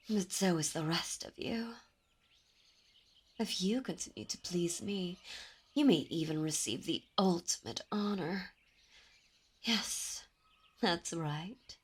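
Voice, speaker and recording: A woman voicing a dominant, possessive demon princess in an ASMR roleplay, speaking in a silky, commanding way with soft whispers. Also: lowish voice, slow, long pauses, breathy edge. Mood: seductive. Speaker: voice actor. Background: birdsong and ambient sound effects.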